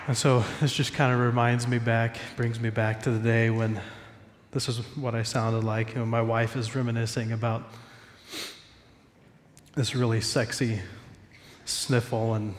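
A man's voice: mid-range voice, flat delivery, a little slow, a little hiss or hum. Stuffy-voiced male pastor in a reverberant hall. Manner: conversational, self-joking. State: stuffy from a cold. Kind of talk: sermon. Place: church stage.

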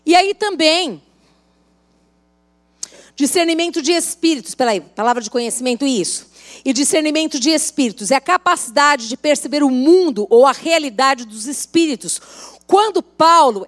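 A woman's voice: sits high, animated, brisk. A woman pastor preaching at a women's church service, telling a story in a chatty way and asking the congregation questions. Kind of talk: sermon.

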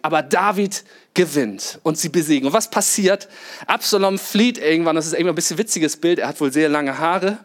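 A man with a rather high voice preaches a sermon. He tells the story vividly, asking his listeners rhetorical questions and acting out the quotes. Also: fairly bright tone. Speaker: pastor.

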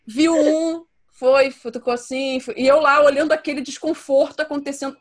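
A woman's voice: high-pitched, normal speed. A woman with a Brazilian accent, co-hosting a podcast in casual chat and telling stories with lots of laughter. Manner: animated storyteller, laughs often. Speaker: podcast co-host.

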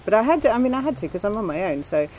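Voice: medium pitch, big pitch swings, racing, a little mellow, a little hiss or hum. A middle-aged person being interviewed outdoors in a village, speaking casually and hesitantly with many ums and restarts and light laughter.

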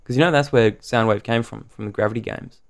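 A man in his thirties, a podcast co-host telling stories in relaxed casual chat, swearing now and then. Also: medium pitch, fast, vocal fry.

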